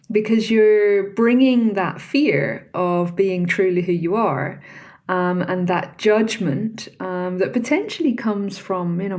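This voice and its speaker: A woman's voice: medium pitch, a little mellow. A woman hosting a podcast, talking reflectively and conversationally on her own and posing questions to the listener. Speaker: podcast host. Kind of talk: reflective solo podcast talk.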